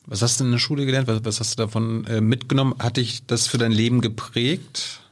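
A man's voice: mid-range voice, fairly even intonation, a little fast. A man hosting a podcast interview, asking brief follow-up questions. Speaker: podcast host.

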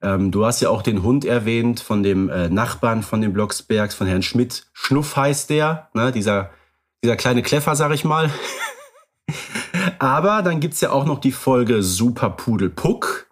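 A man co-hosting a podcast, chatting casually and wryly about radio plays, with lively storytelling and some fillers. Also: mid-range voice, a little slow. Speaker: podcast co-host.

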